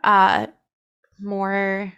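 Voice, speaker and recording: A woman's voice: mid-range voice, sing-song, very slow, a bit bright, clear, resonant tone, highs cut off. A woman hosting a podcast, asking questions in a casual, chatty way full of fillers and hesitations. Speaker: podcast host.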